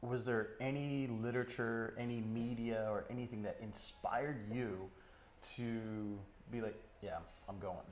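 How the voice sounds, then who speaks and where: A man in his thirties hosting an interview, asking halting questions and giving short affirmations on a lapel mic. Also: mid-range voice, fairly even intonation, a little mellow, reverberant, slight background noise. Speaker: interviewer host. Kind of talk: casual interview. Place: indoor lounge with sofa.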